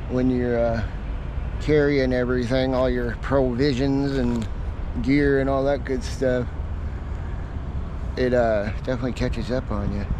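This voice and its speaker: A man at a fairly slow pace, with long, frequent pauses, noticeable background noise and a dry sound with no echo. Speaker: train hopper vlogger. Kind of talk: casual vlog chat. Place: open country. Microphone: phone near.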